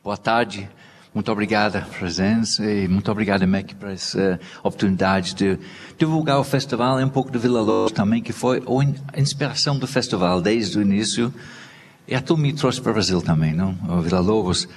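A British cellist with an English accent, speaking non-native Portuguese haltingly, with many restarts as he searches for words. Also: lowish voice. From Britain. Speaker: cellist and festival organizer. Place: theater stage. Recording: reverberant hall with light noise.

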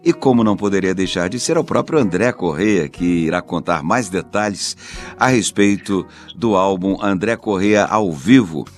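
A man's voice: low-pitched, normal speed, faint music behind. A Brazilian man hosting a radio interview with a polished announcer delivery. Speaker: radio host.

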